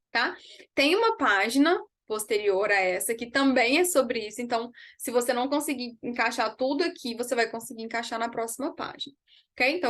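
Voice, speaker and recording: A woman English teacher gives an online lesson, moving between quick explanations and slowly modeled words for learners to repeat. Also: on the high side, a bit bright.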